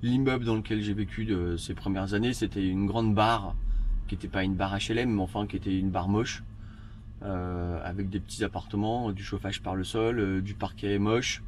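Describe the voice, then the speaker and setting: A man in his fifties from the Paris suburbs speaks in a low voice. He is reflective and hesitant, as a guest in a relaxed interview. There is clear background noise behind him. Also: normal speed. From France, Paris western suburbs. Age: 50s. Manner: hesitant, reflective, searching for words. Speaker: interview guest, magazine editorial director. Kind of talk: casual personal interview.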